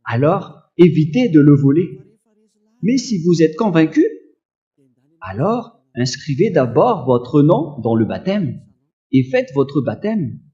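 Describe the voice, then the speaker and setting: A male preacher delivers a slow, emphatic sermon, his pitch swinging widely, with a dark, mellow tone. He hesitates often and has a slight cough. The recording is dull and lo-fi. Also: very animated. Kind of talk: sermon teaching.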